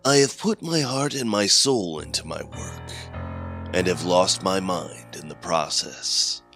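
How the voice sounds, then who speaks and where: A man playing an ominous, theatrical horror anthology host who narrates in portentous, deliberate phrases. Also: deep voice, lively intonation, a bit bright, exaggerated voice. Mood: ominous, musing. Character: ominous, theatrical host of a mysterious otherworldly radio signal. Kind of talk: scripted dramatic horror narration. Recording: music under the voice. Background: music.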